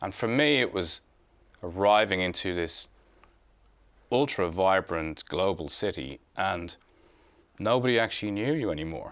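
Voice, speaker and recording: With an Irish accent, a man speaks in a very deep, low voice at a moderate pace, using lively intonation and long, frequent pauses. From Ireland, north Dublin. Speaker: leadership and wellness coach. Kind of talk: interview.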